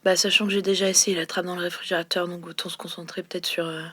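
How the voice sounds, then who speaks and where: A woman playing an improvised role-playing game, speaking casually and a little haltingly, slipping in and out of character. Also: lowish voice, little pitch movement, fairly bright tone, slightly rough, no room sound.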